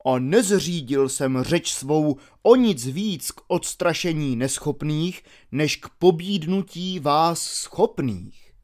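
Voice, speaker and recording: A man voicing a genial, seasoned Roman orator in an audiobook reading of a classical dialogue, with deliberate, instructive delivery. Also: fairly high pitch, expressive, a little mellow, natural voice. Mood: measured. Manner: deliberate, instructive delivery of long archaic sentences.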